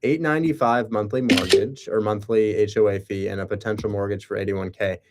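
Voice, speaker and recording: A man's voice: on the low side, fairly even intonation, a little fast, heavy background noise. Casual sarcastic male livestreamer. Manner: sarcastic, rhetorical questions. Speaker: live streamer and real estate wholesaler. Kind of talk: casual livestream chat, rambling commentary.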